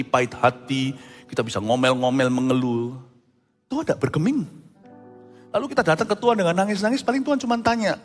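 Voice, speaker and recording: A man preaching a sermon as pastor, animated and theatrical, acting out quoted speech and slipping into English phrases. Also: medium pitch. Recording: music under voice, long church reverb.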